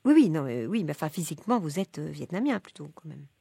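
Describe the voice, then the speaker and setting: Une femme jouant une psychothérapiste de radio exubérante et maladroite, à la voix soufflée et râpeuse. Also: female voice, deep voice, sing-song, quick pace, vocal fry, dark tone, husky, dry recording, clean studio sound, heavily acted. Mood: effusive. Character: gushing, tactless female radio psychotherapist. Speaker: psychotherapist host of a call-in show. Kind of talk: scripted comedy sketch.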